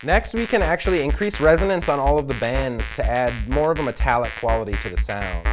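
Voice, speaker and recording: A man giving an instructional demonstration as a product presenter, explaining in measured phrases. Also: mid-range voice, animated, music in the background, low-quality recording. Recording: loud drum machine and synthesizer behind. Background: drum machine and synthesizer sounds.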